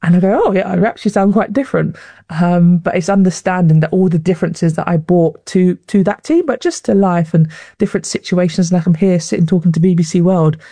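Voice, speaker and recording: A woman's voice: fairly low pitch, brisk, warm tone, dry recording. A woman with a South London accent, a former rugby player, talking casually in an interview with many repeated words and "like". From South London, England. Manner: chatty, frequent repeated words and "like".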